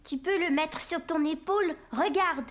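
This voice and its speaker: Casting: caring young boy for animation, high-pitched, simple helpful explaining. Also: normal speed, a bit bright. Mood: friendly, instructive. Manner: childlike, plain helpful explaining. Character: friendly, caring young boy, proud pet owner. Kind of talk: French children's cartoon dialogue. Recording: children's music underneath.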